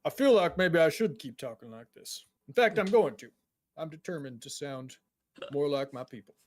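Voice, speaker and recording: A man voicing a timid young dwarf with a high, stammering voice. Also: lively intonation, moderate pace. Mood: meek. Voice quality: higher than other dwarves. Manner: hesitant, stammering and apologetic. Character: meek young male dwarf worker, timid and eager. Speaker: game master. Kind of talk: tabletop game role-play.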